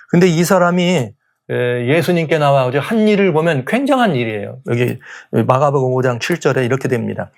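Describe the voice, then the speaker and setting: Male pastor, sermon delivery, somewhat high pitch, rhetorical questions and repetition. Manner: rhetorical questions to the congregation, repeats phrases; earnest, exclaims in wonder.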